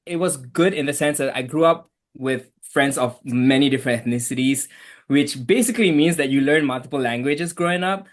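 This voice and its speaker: Fairly quick and mid-range, a young man from Malaysia talks with a Malaysian accent as a guest on an interview podcast. An immigration attorney, he's easygoing and chatty in this casual interview, using lots of fillers.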